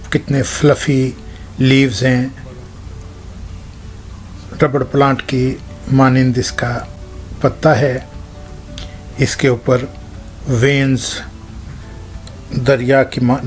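A man hosting a gardening channel, explaining plant care in short, halting phrases while showing things by hand. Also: medium pitch, darkish tone. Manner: shows things hands-on while talking.

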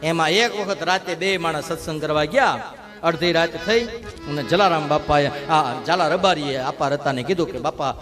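A man telling a devotional story as a sermon, dramatic and lively. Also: fairly high pitch, moderate pace, over music. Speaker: religious storyteller.

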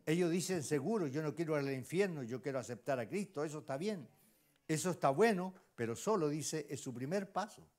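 A man with a Chilean accent preaching a sermon, often turning to the congregation with questions and swinging between loud exclamations and hushed asides. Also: fairly high pitch, expressive, fairly quick. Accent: Chilean Spanish. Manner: emphatic, keeps asking the congregation rhetorical questions. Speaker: lay preacher.

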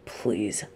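A woman acting the part of a hot-tempered, sarcastic mafia boss with a soft side in an audio roleplay. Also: very noisy. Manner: dry, threatening, sarcastic, dramatic sighs.

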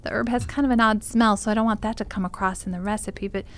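A woman's voice: medium pitch, steady tone, quick pace, a little hiss or hum, lightly acted. A woman acting in an improvised radio drama as an eager, insecure small-town baker, chatty and apologetic.

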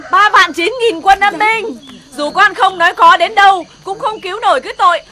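A fiery middle-aged village wife from a TV drama, shrill and quick to curse. Her voice sits very high and sounds bright and cutting. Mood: cursing. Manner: shrill, cursing, wailing. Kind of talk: TV drama acting.

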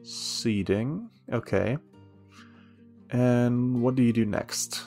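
Over soft guitar music, a man with a mid-range voice performs a romance audio roleplay as a young café worker who is friendly and protective. He comes across as curious and admiring, teasing gently with hesitant pauses.

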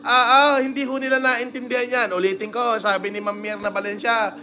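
A man with a Batangas Tagalog accent hosting a livestream, giving shout-outs and reading viewer comments in a crude, teasing manner. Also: very high voice, flat delivery, fairly quick, slight background noise. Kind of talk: casual livestream chat.

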